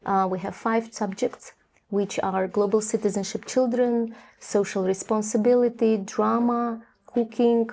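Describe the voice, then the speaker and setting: Young woman, grew up in Latvia, gravelly, warm dark tone, hesitant with lots of ums. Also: fairly high pitch, fairly even intonation, measured pace. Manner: hesitant, many ums and restarts. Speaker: theatre director and educator, interview guest. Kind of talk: casual interview talk.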